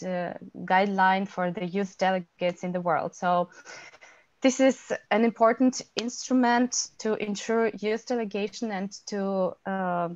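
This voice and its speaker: Slow-paced woman with a Ukrainian accent. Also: medium pitch, no room sound. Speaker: panelist. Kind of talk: semi-prepared panel presentation. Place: small office, video call. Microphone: wired earphone microphone. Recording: dull video-call audio.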